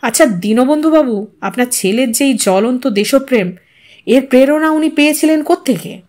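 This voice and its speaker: A woman voicing a brisk, pushy male television reporter who questions with professional insistence in an audio story. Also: high voice, lively intonation, darkish tone. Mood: polite, professional.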